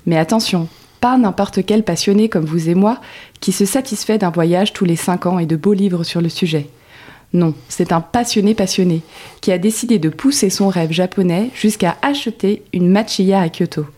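Calm woman hosting a podcast. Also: fairly low pitch, normal speed. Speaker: podcast host. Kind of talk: scripted intro and interview. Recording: faint music behind.

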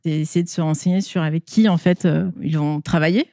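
A woman answers interview questions conversationally through a face mask, halting often with filled pauses. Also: sits low, fairly even intonation, dark tone, dry recording, clean studio sound. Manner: hesitant, halting delivery with frequent filled pauses. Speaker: interview guest, school staff working with companies and alumni.

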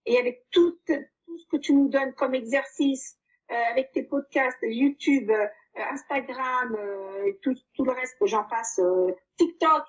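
A woman's voice: sits high, unhurried, lo-fi sound. A woman in her fifties, of Portuguese origin, giving a heartfelt testimonial about her coaching with frequent hesitant fillers. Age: 50s. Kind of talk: emotional personal testimony.

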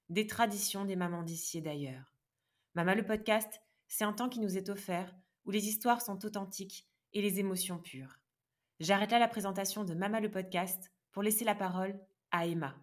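A woman in her thirties hosting a podcast and reading its scripted opening. Her delivery is measured and even, in a mid-range voice. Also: mid-range voice. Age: 30s. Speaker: podcast host.

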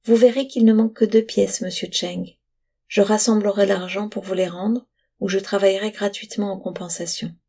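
A woman's voice: medium pitch, fairly even intonation, normal speed, vocal fry, mellow, slightly rough. A woman doing a pleading young boy. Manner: pleading, insistent. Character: earnest poor young boy, pleading and stubborn.

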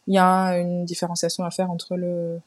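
A woman's voice: on the low side, completely flat delivery, moderate pace. A young woman, a guest on a podcast, talking in a reflective way and searching for her words. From Belgium. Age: young adult. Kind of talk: casual podcast conversation.

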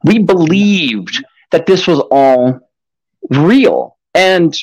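A man in his late forties hosts a casual podcast with a lively, swooping voice that sits a bit high. He swears often and rambles. The sound is dry and close. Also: extremely slow, no room sound, rough recording. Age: 40s. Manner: animated, profane, rambling. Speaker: podcast host.

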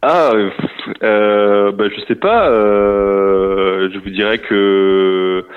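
Over a muffled phone line, a man in his thirties from Normandy who manages a winery gives a phone interview. His lowish, clean-toned voice draws out words, and he keeps hesitating with fillers and restarts.

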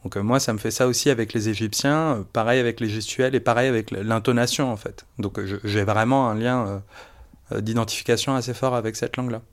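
A man's voice: medium pitch, steady tone, quick pace. A man sharing his personal view in an interview, hesitant and searching for his words. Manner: searching, hesitant, many restarts. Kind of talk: personal testimony.

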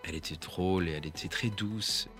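A man, a photographer, giving a reflective and halting spoken account of one of his photographs, restarting his sentences often. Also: low-pitched, over music. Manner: halting, with many restarts and pauses.

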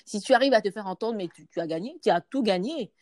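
A woman's voice: mid-range voice, fast talker, dry recording, clean studio sound. A woman with an Ivorian French accent, a guest actress in a casual interview, telling stories and slipping into other voices and accents. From Côte d'Ivoire. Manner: lively storyteller, imitates accents and voices.

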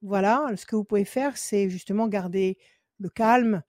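A woman's voice: medium pitch, moderate pace, darkish tone, no echo. Insistent woman psychic, dry close voice. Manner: insistent, repetitive advice, counts cards under her breath. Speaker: psychic on a call-in show. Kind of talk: phone consultation with card reading.

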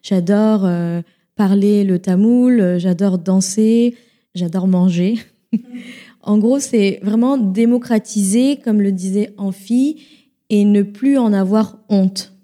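A woman's voice: mid-range voice, takes it slowly, warm tone. A young woman studying sociology, speaking thoughtfully as a guest in a casual podcast chat. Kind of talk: casual round-table chat.

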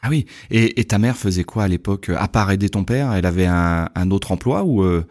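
A man's voice: deep voice, fairly quick, darkish tone, dry recording, studio quality. A man from France hosting a podcast interview and prompting his guest with brief questions. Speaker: podcast host.

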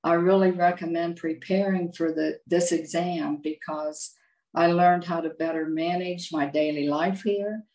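A woman's voice: fairly low pitch, steady tone, slow, darkish tone, roomy sound, low-quality recording. An older woman from Virginia with an American accent, a native English speaker answering interview questions carefully. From United States, Virginia. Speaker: guest.

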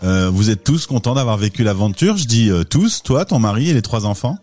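A man's voice: lowish voice, animated, fairly quick, darkish tone, soft background music. A man hosting a radio interview, asking friendly questions. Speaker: radio host.

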